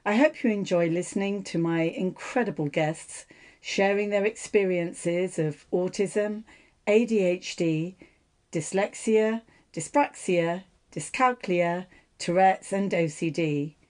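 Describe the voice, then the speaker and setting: A woman's voice: on the low side, unhurried, darkish tone. A woman of about sixty, hosting an interview podcast in an encouraging, polite, effusive manner. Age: around 60. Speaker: podcast host and psychotherapist. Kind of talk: scripted intro and chatty interview hosting.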